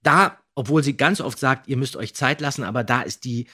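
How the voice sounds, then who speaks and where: A man's voice: mid-range voice, brisk, bright, forceful tone, slightly rough. A man in a casual podcast discussion, talking emphatically and often repeating himself.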